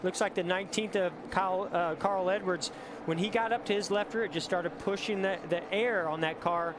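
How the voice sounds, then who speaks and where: A man's voice: high voice, fairly even intonation, normal speed. A man working as a motorsport commentator and analyst, explaining incidents on a race broadcast. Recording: noisy race broadcast, engine roar. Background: race cars and outdoor track noise.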